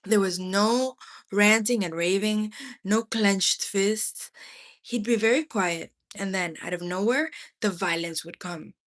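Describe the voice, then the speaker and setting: A woman narrates a memoir in a read-aloud style with a medium-pitched voice. Her phrasing is deliberate and measured, with dramatic pauses between short phrases. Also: a bit bright. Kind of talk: expressive audiobook-style narration.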